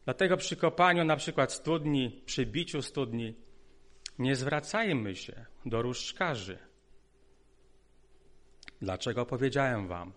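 A man preaching a sermon, earnest and pleading, who keeps calling his listeners "dear ones" and moves between quiet, lowered asides and raised, stressed phrases. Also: animated, slow, long pauses.

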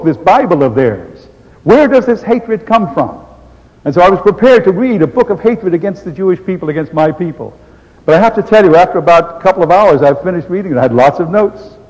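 Older man telling his story in a hall. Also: sits high. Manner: animated storyteller who acts out quoted voices. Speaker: speaker giving a testimony. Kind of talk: storytelling testimony talk. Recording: dull sound with long hall reverb.

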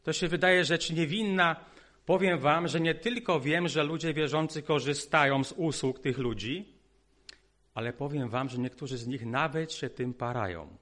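Earnest higher-voiced male preacher. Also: normal speed. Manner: earnest, pleading, swings between soft asides and raised stresses; addresses listeners as "dear ones". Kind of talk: sermon.

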